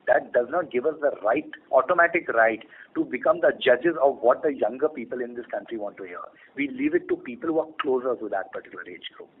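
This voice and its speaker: Indian executive on a tinny conference line. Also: male voice, medium pitch, husky. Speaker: company executive on an earnings call. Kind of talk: explanatory business answers to analysts. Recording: phone-like conference call audio.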